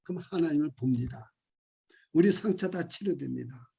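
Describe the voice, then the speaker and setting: A man preaching a sermon as pastor, calling the congregation to shout along and rising to loud exclamations. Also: on the high side, normal speed, vocal fry, breathy edge.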